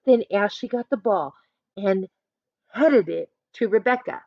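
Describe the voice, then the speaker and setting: A woman's voice: mid-range voice, animated, a little slow, darkish tone, no echo, muffled recording. A woman teacher reading a picture book aloud expressively, adding instructive asides and questions for listeners.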